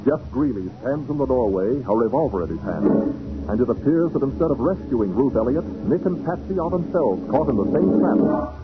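A man's voice: mid-range voice, expressive, moderate pace, narrow, tinny audio. A man narrating as a radio announcer in a dramatic, scripted 1940s style. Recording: thin old radio, loud music behind.

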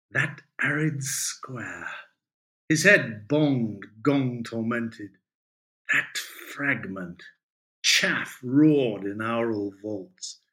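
A man, a writer, reading his own short story aloud in a measured, expressive way. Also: mid-range voice. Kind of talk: literary reading.

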